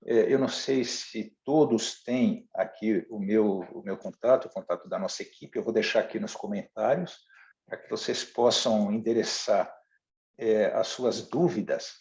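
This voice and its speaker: A man working as an embassy trade official, giving formal, halting remarks at an online seminar. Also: lowish voice, darkish tone. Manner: halting and formal, with many restarts. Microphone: video call. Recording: roomy, dull lo-fi call audio.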